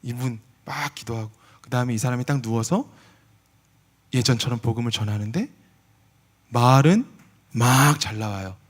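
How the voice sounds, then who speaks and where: A man preaching a sermon as a missionary in a large church sanctuary, telling a personal testimony in an animated way and acting out his prayers and conversations. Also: medium pitch, normal speed, pauses often.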